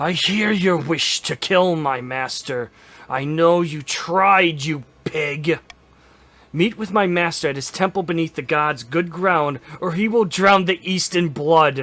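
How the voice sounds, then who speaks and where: In an exaggerated put-on character voice, the lines unfold fairly slowly. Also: man, high pitch for a man. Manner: menacing, threatening.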